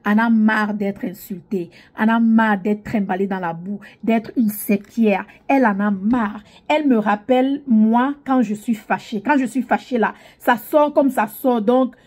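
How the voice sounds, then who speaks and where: A woman's voice: fairly high pitch, unhurried, a little mellow. A young adult woman doing casual commentary, talking emphatically as she reacts to someone's posts. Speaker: online commentator.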